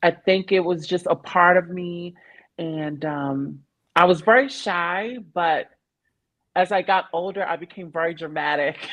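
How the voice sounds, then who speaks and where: An American accent comes through at a fairly slow pace over a quiet background. The pitch varies in an ordinary way, while the loudness swings widely. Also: woman, fairly low pitch for a woman. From US East Coast, Baltimore, Maryland. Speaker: opera singer. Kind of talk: interview conversation. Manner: hesitant, many fillers.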